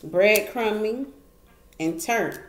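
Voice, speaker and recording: A woman's voice: medium pitch, drawn-out words. Chatty woman reading tarot cards. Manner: chatty, emphatic, repeats phrases, laughs often. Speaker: tarot reader. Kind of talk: casual tarot card reading. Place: indoor room at a wooden table. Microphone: camera pointed down at the table, speaker off frame. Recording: echoey room, faint noise.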